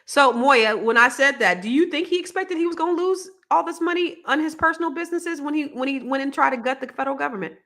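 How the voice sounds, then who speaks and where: A woman's voice: high-pitched, fast, few pauses, fairly bright tone. A woman hosting a casual panel discussion, putting questions to the guests. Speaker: host.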